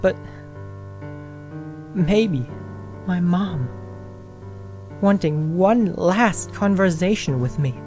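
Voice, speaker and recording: Story narrator, very slow pace, halting short phrases, scripted first-person reading, guitar and piano music behind. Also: medium pitch, lively intonation, darkish tone.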